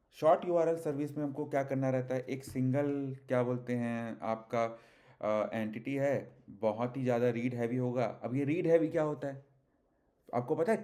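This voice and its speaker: A man's voice: medium pitch, a little mellow. A young man teaching a casual tech lesson, chatty, often checking with the viewer and calling them brother. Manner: chatty, addresses viewers as bhai, asks rhetorical checks. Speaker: tech tutor.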